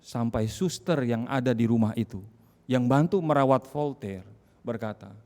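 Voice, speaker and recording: Male pastor, dramatic sermon, loud cries and hushed tones, smooth resonant voice, long hall reverb. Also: medium pitch, normal speed.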